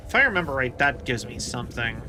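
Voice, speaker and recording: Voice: mid-range voice, big pitch swings, quick pace, sharp tone. A game streamer giving casual live commentary, rambling and thinking aloud while playing. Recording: clear game noise behind voice.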